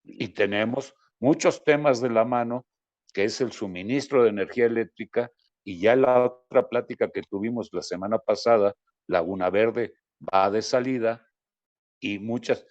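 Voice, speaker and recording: A Mexican journalist co-hosting a talk show, giving blunt opinions and quick quips. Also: male voice, fairly low pitch, a little mellow, no echo, dull audio. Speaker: journalist co-host. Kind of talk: casual talk show chat.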